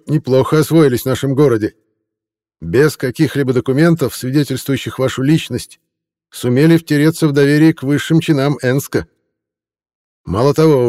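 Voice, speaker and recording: A man's voice: medium pitch, a little mellow, voice pushed up, close to an everyday voice. A man voicing a tipsy, insolent newspaper reporter who slurs and mocks in old-fashioned phrases. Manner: slurring, mocking, pompous old-fashioned phrasing. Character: drunken, insolent young male newspaper reporter.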